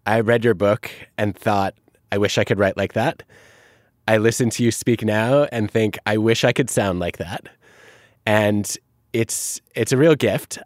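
A man's voice: lowish voice, no room sound, clean studio sound. A man hosting an interview, asking questions with enthusiastic praise for his guest. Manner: enthusiastic, warmly complimentary questioning. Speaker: podcast host and interviewer. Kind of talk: interview conversation.

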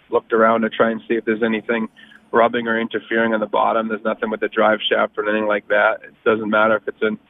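A man calling in on a tinny phone line, speaking in a steady, flat tone. He stops and starts with plenty of ums and uhs, and the sound is dry and close. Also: on the low side, creaky, no echo. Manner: halting, many ums and uhs. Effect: heard over a phone line. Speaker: caller to a car advice show. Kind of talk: calling in to radio talk.

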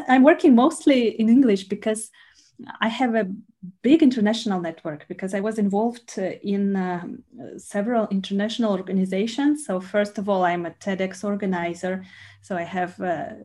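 Woman, from Russia, native Russian speaker, interview guest, measured pace, frequent pauses. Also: mid-range voice, darkish tone. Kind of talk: conversational interview.

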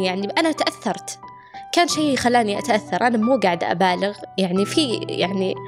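A young woman in her twenties recounting a personal experience casually, hesitant and full of fillers. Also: medium pitch. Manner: hesitant, many fillers and restarts. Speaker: interviewee.

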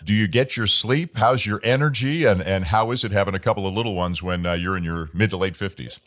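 A man in his fifties hosting a sports interview, asking friendly and measured questions. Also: fairly low pitch, a bit bright. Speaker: sports radio host.

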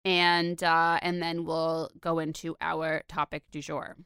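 A young woman from Connecticut, co-hosting a podcast in a chatty, animated way with lots of filler words. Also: sits low, slow, clear, resonant tone, dry recording, studio quality. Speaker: podcast co-host. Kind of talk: casual chat.

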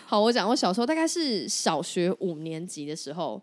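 A woman from Taiwan with a Taiwanese Mandarin accent, co-hosting a podcast and telling stories in an animated, laughing way. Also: on the low side, a little fast. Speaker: podcast co-host. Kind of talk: casual chat.

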